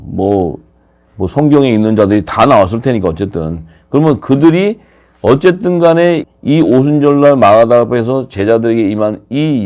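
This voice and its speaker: A man preaching a sermon, lively and questioning his listeners, his pitch swinging up and down. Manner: animated, asks the audience questions, pitch swings widely.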